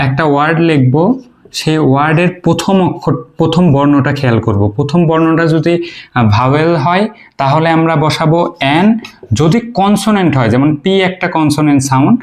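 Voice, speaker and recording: A man from Bangladesh teaching basic English grammar in an informal video lecture. He explains step by step, pauses often to think, and asks the listener questions that he answers himself. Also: a little high, a little mellow. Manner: frequent hesitations and fillers while he thinks.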